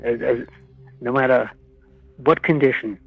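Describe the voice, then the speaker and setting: A man's voice: mid-range voice, measured pace, slightly rough, dull audio. A man co-hosting a podcast who throws in dry, sarcastic comments during casual chat. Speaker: podcast co-host.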